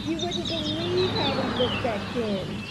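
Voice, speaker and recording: A high female voice of an actress plays a friendly, house-proud woman in an audio drama. She is chatty and polite, with noisy birdsong ambience behind her. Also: animated, unhurried.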